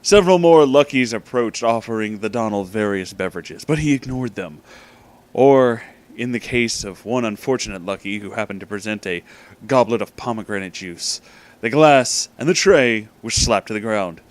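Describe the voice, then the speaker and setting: A man's voice: lowish voice, animated, moderate pace. A man hosting in a casual, informal way, with emphatic, dramatic delivery. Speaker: host reading fan fiction aloud. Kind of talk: casual comedic storytelling.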